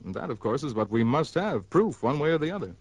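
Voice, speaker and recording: A brisk insurance boss in an old radio play, with a mid-pitched voice that rises and falls a lot. The sound is dry and close. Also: male voice, very animated, slightly rough, no room sound. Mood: businesslike. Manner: brisk, businesslike. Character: businesslike male insurance boss. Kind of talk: 1960s radio drama acting.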